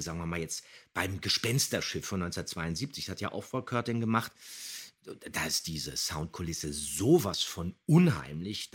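Male podcast co-host, lowish husky voice, casual and explanatory. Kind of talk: casual discussion of audio dramas.

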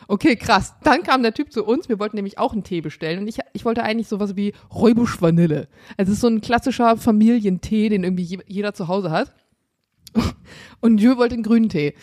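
Lively woman telling a story. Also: on the high side. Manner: lively, acts out dialogue in raised voices, laughs often. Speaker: podcast co-host. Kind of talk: casual storytelling chat. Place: hotel room.

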